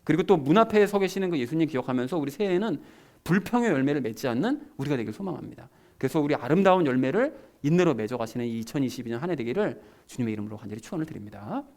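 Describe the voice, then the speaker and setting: A man's voice: a little high, lively intonation, racing, a little mellow. A man preaching a sermon as pastor, talking conversationally and emphatically to his congregation.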